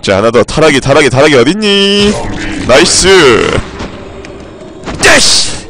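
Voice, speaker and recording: A man streaming a zombie shooter, commenting live, muttering one moment and cursing loudly the next. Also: fairly high pitch, moderate pace, over music. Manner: excitable, swings between mutters and furious cursing shouts. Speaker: game streamer.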